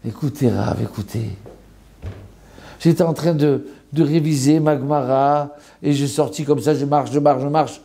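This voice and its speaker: A man's voice: mid-range voice, moderate pace, warm tone. A man, a rabbi, telling a dramatic story in a sermon and acting out the people in it. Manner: dramatic storyteller, voicing characters.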